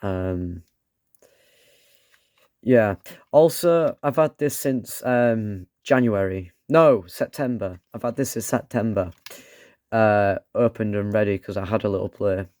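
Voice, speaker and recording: Croaky man with a cold. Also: on the low side, darkish tone, no room sound, studio quality. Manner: rambling, sarcastic asides. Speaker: toy reviewer. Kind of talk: casual product review.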